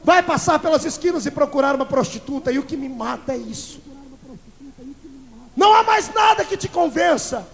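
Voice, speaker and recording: A Brazilian man preaching a fiery Pentecostal sermon as pastor, shouting at the congregation and then dropping to low, intense tones. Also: animated, normal speed. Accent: Brazilian Portuguese. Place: large church. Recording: long hall echo, old VHS tape.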